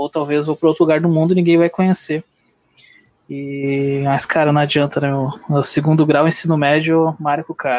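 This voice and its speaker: In a southern Brazilian accent, a man speaks at a fairly high pitch and a moderate pace. His intonation is monotone and flat, and the sound is dry and close with no echo. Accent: gaúcho Brazilian Portuguese. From southern Brazil, Rio Grande do Sul (Gravataí, Porto Alegre area). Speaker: tech professional (site reliability engineering). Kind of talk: casual interview chat.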